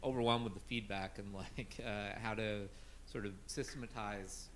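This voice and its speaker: A man in a conference audience asking an informal question in a hesitant, loosely phrased way, picked up quietly from a distance. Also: lowish voice, steady tone, normal speed. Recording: distant, quiet, faint room noise.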